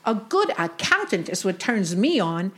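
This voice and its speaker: A woman's voice: medium pitch, big pitch swings, moderate pace, a bit bright, slightly rough. Woman doing a sarcastic older sister. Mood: wry teasing. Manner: sarcastic, teasing. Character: wisecracking older Brooklyn woman, teasing sister. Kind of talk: comic audio drama.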